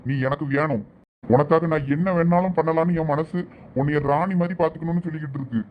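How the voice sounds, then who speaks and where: A man's voice: on the high side, quick pace, narrow, tinny audio, slight background noise, natural voice. A man playing an obsessive, menacing kidnapper villain who gloats and threatens in a village drama. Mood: gloating.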